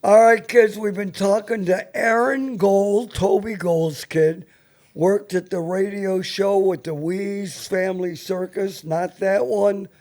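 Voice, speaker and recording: High-pitched older man, blunt talk show host. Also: fairly even intonation, takes it slowly, a little mellow. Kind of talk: casual unscripted radio banter.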